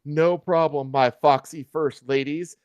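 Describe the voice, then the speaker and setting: A man's voice: fairly high pitch, steady tone, unhurried, darkish tone, clear, resonant tone, no echo, muffled recording, close to an everyday voice. A man voicing a swaggering, smug and seductive heroic cartoon cat in a storybook reading.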